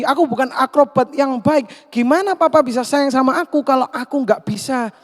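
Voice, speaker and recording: A man's voice: very high voice, mellow, pitched above the performer's own voice. A man voicing an insecure, angry teenage boy acrobat who pleads with a raised voice. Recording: long hall reverb.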